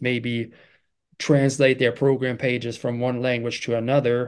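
Medium in pitch, a man speaks in a flat monotone. His pace is moderate. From Germany. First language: German. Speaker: podcast host. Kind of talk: scripted intro then interview chat.

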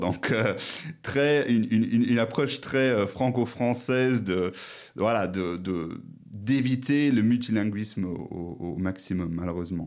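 The man's pitch sits at a medium level with ordinary variation. He speaks at a fairly slow pace. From Luxembourg. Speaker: journalist, podcast co-host. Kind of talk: casual chat. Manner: halting.

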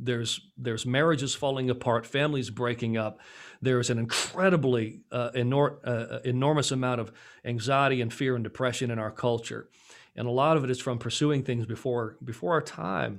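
On a very clean recording with a silent background, a man with a normal speaking voice talks at a fairly quick pace, medium in pitch and fairly even in intonation. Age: 40s. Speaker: pastor. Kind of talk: interview.

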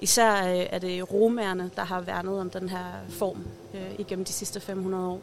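This woman has an unremarkable speaking voice at medium pitch. Her pace is fairly slow and her intonation fairly even. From North Zealand, Denmark. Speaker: artist and art historian. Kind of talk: interview. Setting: outdoors.

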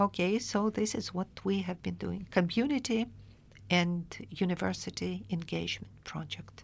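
A woman speaks with a Ukrainian accent. Her pace is moderate. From Ukraine (Kharkiv). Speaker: professor. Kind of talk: interview.

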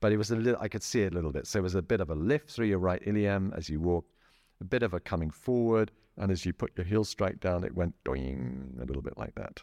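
In a West Country accent, a man with a very deep, low pitch and a dark, mellow tone talks at a very fast pace with lively intonation, the sound dry and close with no echo over a quiet background. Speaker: bodywork therapist. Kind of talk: casual interview.

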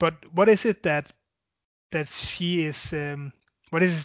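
A man's high-pitched voice with a Danish accent and fairly even intonation. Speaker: podcast host, journalist. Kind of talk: interview. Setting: phone call.

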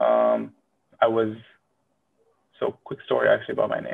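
A man with a Syrian accent talks at a fairly quick pace while music plays in the background. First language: Arabic. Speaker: solo podcaster / video diarist. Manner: halting, filler-heavy, casual.

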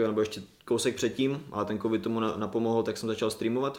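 The speaker uses a plain, everyday voice at a fairly quick pace. The intonation stays fairly even. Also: man. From Czechia, Kroměříž (Moravia). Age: 20s. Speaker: gym member, streamer. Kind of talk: casual interview chat.

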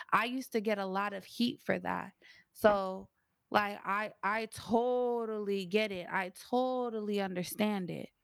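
An unremarkable speaking voice from a woman with an American accent, medium pitch, fairly even intonation and a fairly slow pace, on a very clean recording with a silent background. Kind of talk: casual chat.

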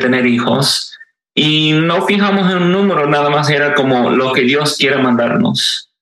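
Audible room echo surrounds a man with an American accent and a fairly high pitch. He speaks at a fairly slow pace with ordinary pitch variation. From USA. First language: English (speaking Spanish). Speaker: father and educator. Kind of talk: casual chat. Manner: hesitant with fillers.

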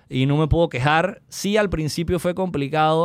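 A man's voice, with ordinary pitch variation, comes through on a very clean recording with a silent background. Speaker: entrepreneur and medical cannabis advocate. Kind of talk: interview conversation.

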